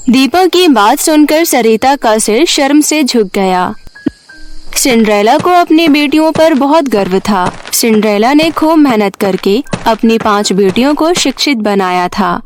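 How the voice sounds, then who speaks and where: High-pitched woman narrating a story. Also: expressive, unhurried. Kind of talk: scripted children's story narration. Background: background music.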